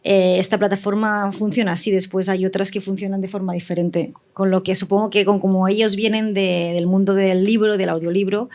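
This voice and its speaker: A woman's voice: medium pitch, flat delivery, a little fast, hardly any pauses, a little mellow. She is a woman with a mid-range voice. She speaks as a panelist in an informal discussion, explaining in a slightly tentative way. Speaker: panelist, audio fiction writer.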